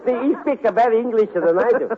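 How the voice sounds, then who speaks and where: A man's voice: very high-pitched, expressive, fast talker, over a noisy crowd, heavy background noise. A man doing a jovial cook. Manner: broken English, joking. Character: jovial 47-year-old Italian cook. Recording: tinny radio with loud audience.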